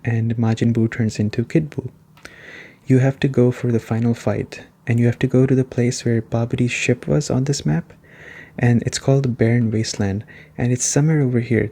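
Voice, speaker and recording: Soft-spoken mellow man chatting about games. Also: mid-range voice. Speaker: video game reviewer. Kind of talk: soft-spoken ASMR game review, casual chat.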